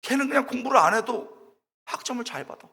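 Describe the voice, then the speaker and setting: A long reverb tail follows this middle-aged guest preacher's very high, gravelly, slightly rough voice as he speaks a little fast and expressively in a church sanctuary. Telling stories and questioning the congregation, he shouts and wails while reenacting his tearful prayer.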